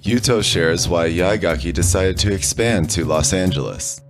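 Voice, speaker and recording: Very deep male narrator over guitar music. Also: normal speed. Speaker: podcast narrator. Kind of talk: scripted podcast narration.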